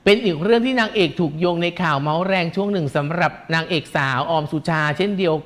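A man chats through celebrity gossip in a camp, teasing way, often breaking into giggles. His voice sits fairly high for a man, and he uses feminine polite endings. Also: quick pace, a bit bright. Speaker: gossip show host.

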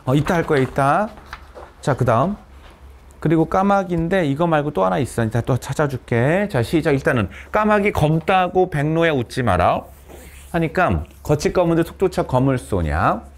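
A man lecturing a class of students in a classroom. His voice sits a little high and rises and falls a great deal. He keeps asking questions of the students and answering them himself. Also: expressive, moderate pace. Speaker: Korean literature teacher. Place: cram school classroom with students present.

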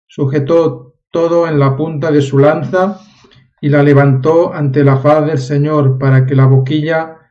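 A man leading a devotional reading and recited prayers in a solemn, reverent, measured way. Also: on the high side, mellow, lo-fi sound.

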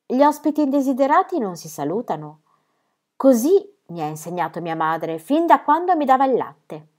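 A woman's voice: sits high, very animated, normal speed, a little mellow, pitched above the performer's own voice. A woman voicing a young boy who speaks coldly and proudly in a children's story reading. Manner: cold, clipped.

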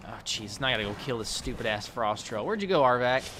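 A lively man with a bright, forward voice rambles through gameplay, swearing freely and talking straight at the characters on screen. His pitch jumps around a lot, and a faint hiss of noise sits under the recording. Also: fast. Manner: profane, rambling, talks to the game. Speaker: let's play host. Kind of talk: casual gameplay commentary.

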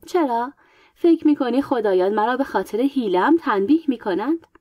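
A woman reading a story aloud, voicing a proud, vain young queen in a lightly brighter tone. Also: on the high side, expressive, no room sound, highs cut off. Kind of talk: audiobook character voice.

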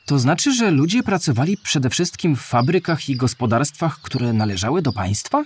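A man voicing a curious, naive little animal who asks questions in an animated educational radio play. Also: medium pitch, moderate pace, husky. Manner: inquisitive, wide-eyed. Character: curious, naive little animal character asking about history.

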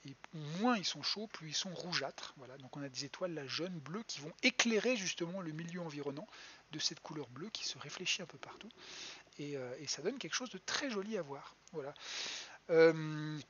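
A man's voice: on the high side, lively intonation, normal speed, a bit bright, dull audio, slight background noise. A man giving a live-streamed astronomy lesson as a planetarium educator, chatty and hesitant with many fillers and restarts. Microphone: home computer mic.

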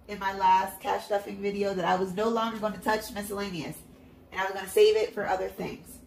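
Stuffed-up and upbeat, a budgeting vlogger talks her way through counting cash into envelopes at a table at home, chatty and cheering herself on. Her mid-range voice is gravelly. Shot from overhead with only her hands in view and the mic off-frame, the audio is poor, reverberant, with a little hiss or hum.

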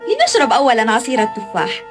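An actress playing a proud, dramatic young captive princess in a cartoon dub, speaking emphatically. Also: female voice, a little high, huge pitch swings, fast talker, over music. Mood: feigned sweetness. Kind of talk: dubbed cartoon acting.

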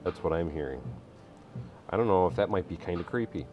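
A man's voice: deep voice, animated, a little fast, lo-fi sound, noisy background. A middle-aged man hosting a live building stream, chatting casually, reading viewer comments and laughing easily. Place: indoor workshop room.

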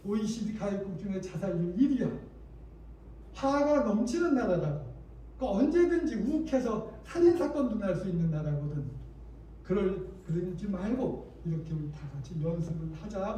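High mellow guy lecturing teachers, acts stuff out, far off in a super echoey room. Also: normal speed, a little hiss or hum. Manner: lively, demonstrative, acts out classroom lines. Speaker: teacher trainer. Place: training room.

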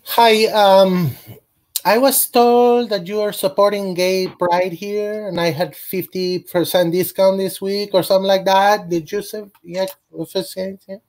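A flustered gay customer. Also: male voice, high-pitched, fairly even intonation, a little slow, darkish tone. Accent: Hispanic. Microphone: video call.

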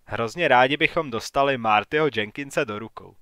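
Guy reading a polite realtor in an audiobook, courteous but probing, a bit higher, dry sound. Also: no echo, close to an everyday voice. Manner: courteous, then sharp and questioning. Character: polite male small-town real estate agent.

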